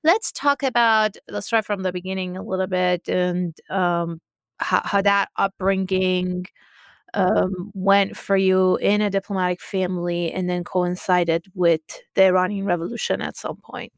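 A woman hosting a podcast interview, introducing her guest and asking questions in a measured, deliberate way. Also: fairly low pitch, fairly even intonation, vocal fry, dry recording. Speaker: podcast host. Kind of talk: hosted interview.

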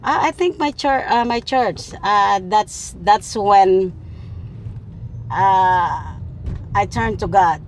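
An older woman talks candidly from inside a moving car, in a plain-spoken, halting way with repeated words. Her pitch is ordinary, and road rumble is clear behind her. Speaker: Uber driver being interviewed. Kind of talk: casual, candid chat while driving.

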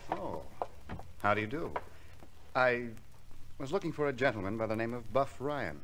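A man acting a smoothly polite killer in a 1950s radio drama, speaking with measured courtesy. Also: medium pitch, close to an everyday voice. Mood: falsely courteous. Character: smoothly polite male killer posing as old friend. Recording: noisy, clicking old radio recording.

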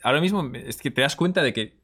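A man's voice: on the high side, quick pace. A man, a podcast guest chatting casually about Japanese culture in a studio and often mimicking Japanese phrases. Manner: animated, mimics Japanese phrases, many repeated yeses. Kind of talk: casual chat.

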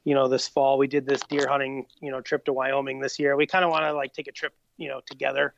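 A man's voice: mid-range voice, little pitch movement, fast, vocal fry, fairly bright tone, dull audio, slight background noise. A man in his late thirties, chatting casually as a podcast co-host, easygoing and rambling with lots of fillers. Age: 30s. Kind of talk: casual chat.

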